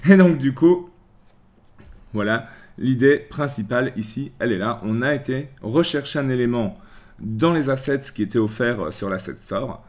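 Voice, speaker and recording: A man from France hosting a screen-recorded software tutorial, chatty, with many restarts, walking through each click. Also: mid-range voice. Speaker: tutorial host.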